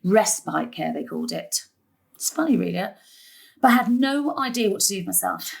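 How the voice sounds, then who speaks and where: A woman's voice: medium pitch, expressive, moderate pace, creaky. An actress playing a weary, self-effacing middle-aged mother who longs for freedom. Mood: wistful.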